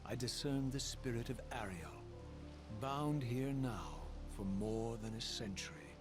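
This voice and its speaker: An actor playing an eloquent, bitterly accusing undead wraith in a video game, with formal, theatrical, deliberate diction. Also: male voice, medium pitch, lively intonation, natural voice. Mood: brooding, grave. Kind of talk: dramatic video game narration and dialogue. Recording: music behind the voice.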